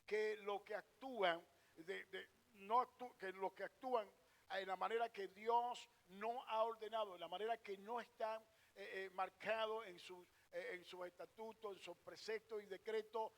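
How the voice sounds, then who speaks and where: A man's voice: sits high, fairly even intonation, normal speed, fairly bright tone. A man preaching a sermon. He fires questions at the congregation, answers them himself, repeats his points and tells a reader when to read the next verse. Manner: directs a scripture reader between points; repeats and restarts phrases, hammering each point.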